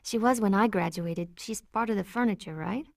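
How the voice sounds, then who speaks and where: A woman's voice: mid-range voice, brisk, vocal fry, a little mellow, close to an everyday voice. A woman playing a friendly, casual young woman with a breezy, teasing way of talking in a naturalistic video game style. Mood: breezy, playful. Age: young adult.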